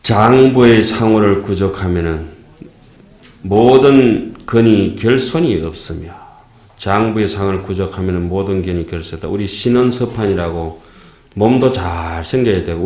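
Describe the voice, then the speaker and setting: A man's voice: sits low, moderate pace, a little mellow, reverberant. A man giving a Buddhist dharma talk in a sermon style, folksy and joking, often checking in with his listeners. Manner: folksy, joking, asks the audience "예?". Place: temple dharma hall.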